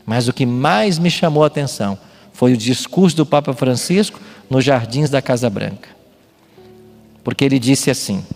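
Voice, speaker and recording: With music in the background and a long hall reverb, a Brazilian man delivers a sermon as a pastor. His voice is medium-pitched and a little mellow, and he preaches in a didactic, emphatic way full of rhetorical questions.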